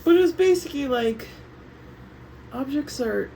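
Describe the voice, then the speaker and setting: A woman chats casually to her viewers with retainers in, which gives her words a slurred lisp. She is on painkillers and drifts between thoughts, breaking off and restarting. Her pitch swings widely with frequent vocal fry, over noticeable background noise. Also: expressive, normal speed, warm tone, rough recording. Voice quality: slurred, lisping speech from wearing retainers. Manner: scattered, loose, self-interrupting, drifting between thoughts. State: medicated on painkillers after surgery. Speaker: YouTube vlogger. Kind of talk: casual rambling chat to camera.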